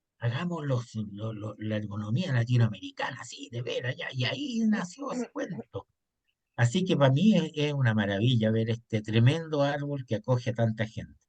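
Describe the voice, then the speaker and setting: A man talks with a somewhat breathy voice, lively intonation, and a moderate pace. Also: medium pitch for a man. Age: 70s. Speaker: retired ergonomics professional, society founder. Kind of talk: interview.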